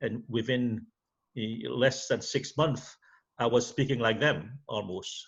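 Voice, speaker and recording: A man's medium-pitched, somewhat breathy voice at a very slow pace, with ordinary pitch variation. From Mauritius. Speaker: leadership seminar speaker and former naval architect. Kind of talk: interview. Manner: halting, many repetitions and fillers.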